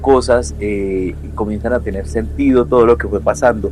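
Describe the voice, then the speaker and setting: A man with a fairly low pitch and very wide pitch swings, over noticeable background noise. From Colombia, Pereira. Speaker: psychologist and university lecturer sharing paranormal experiences. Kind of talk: personal testimony on a podcast.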